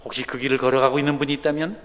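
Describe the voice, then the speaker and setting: A middle-aged male pastor preaching a sermon with fervor, rising to loud declarations and dropping to hushed storytelling. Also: mid-range voice, level tone, rapid-fire. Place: church sanctuary. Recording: church hall reverb.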